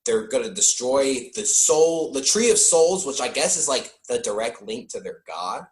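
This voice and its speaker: A man hosting a podcast, chatting casually about a film, animated and joking, swearing now and then. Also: medium pitch, echoey room. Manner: animated, swearing, quick jokey impressions. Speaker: podcast host. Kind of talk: casual film-review chat.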